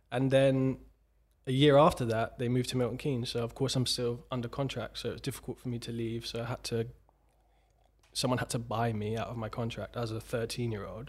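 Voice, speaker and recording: A man with a British accent speaks at a fairly quick pace in a somewhat breathy voice with a medium pitch and monotone, flat intonation, in a very clean recording with a silent background. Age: 30s. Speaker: former footballer and clothing business owner. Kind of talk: interview conversation.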